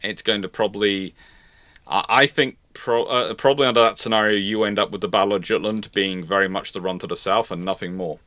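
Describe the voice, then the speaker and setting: A man answers viewer questions as a live commentary host. His voice is fairly low yet bright and forceful, recorded very dry. He halts, repeats and reworks phrases while thinking aloud. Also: steady tone, a little fast, no echo. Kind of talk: live Q&A naval history commentary.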